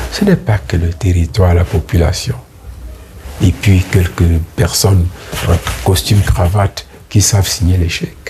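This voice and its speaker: A man talks at a fairly slow pace in a very deep, low pitch, leaving long, frequent pauses. There is noticeable background noise. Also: ordinary pitch variation. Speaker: professor of international law. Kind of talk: interview.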